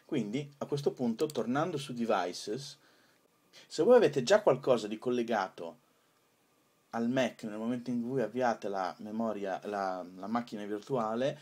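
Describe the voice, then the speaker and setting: A man presenting an informal software tutorial, improvising hesitantly with drawn-out pauses. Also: mid-range voice.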